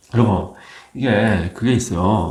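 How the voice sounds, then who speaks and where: A man speaks at a very slow pace, his voice somewhat breathy. The room echo is clearly audible. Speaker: saju fortune-telling teacher. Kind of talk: lecture. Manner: casual, many fillers.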